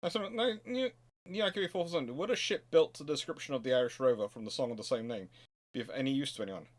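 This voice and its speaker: A naval historian hosts an informal history Q&A livestream, speaking fast at medium pitch. His talk is discursive and rambling, and he often restarts his sentences.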